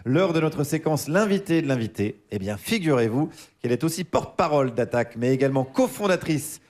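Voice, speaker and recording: A man hosting a live radio show, relaxed and joking as he introduces and questions guests. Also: fairly high pitch, a little fast. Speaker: radio host. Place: radio studio.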